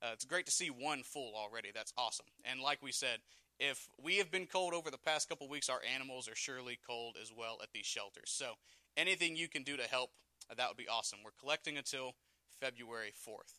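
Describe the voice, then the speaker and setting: Bright and sharp in tone, a man with a Southern US accent speaks at a medium pitch and a fairly quick pace with ordinary pitch variation, the sound dry and close with no echo. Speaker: church announcer. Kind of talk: announcements. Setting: church.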